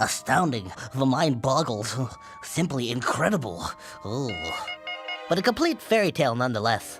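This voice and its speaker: A man puts on a cartoonish character voice at a medium pitch and a moderate pace. Clear music plays in the background. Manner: prim, erudite exclamations.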